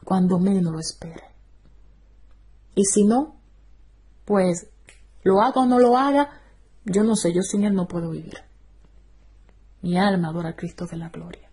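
A woman's voice: mid-range voice, normal speed, long pauses, warm tone, slightly rough. A middle-aged woman evangelist, giving a fervent testimony sermon and breaking in with praise exclamations.

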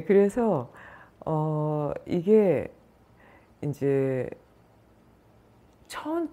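Yoga teacher lady, low dark voice, soft and unhurried, telling a story. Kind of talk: storytelling talk.

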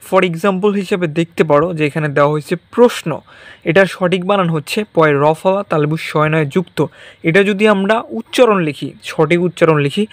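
A man's voice: fairly high pitch, no echo. A young man teaching an exam-prep language lesson in a casual way, often saying "okay" and mixing in English words. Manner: casual, repeats "ঠিক আছে", mixes in English words. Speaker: online tutor.

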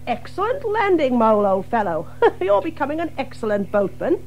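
An actor playing a kindly, sensible gentleman water rat, affable and chuckling, in a children's audio drama. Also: very high-pitched, big pitch swings, moderate pace, dull audio, soft background music, heavily acted.

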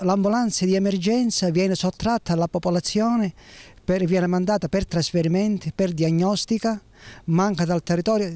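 A man's voice: high voice, darkish tone, no room sound. A man in his fifties, an ambulance service doctor, bluntly complaining about staff shortages to a reporter outdoors at night by an ambulance. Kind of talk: on-the-spot news interview. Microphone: handheld reporter microphone.

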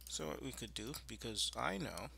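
Gravelly, bright-voiced man giving a tutorial. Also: medium pitch, expressive, moderate pace. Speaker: programming tutorial presenter. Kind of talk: informal screencast tutorial narration.

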